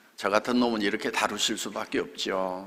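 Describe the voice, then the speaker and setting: A man at a fairly slow pace, ordinary pitch variation, noticeable background noise. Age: 60s. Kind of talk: testimony. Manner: hesitant, many filler sounds.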